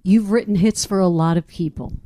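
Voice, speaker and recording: A woman's voice: fairly low pitch, a little fast, warm tone, a little hiss or hum. A woman interviewing a guest, prompting his stories with short questions.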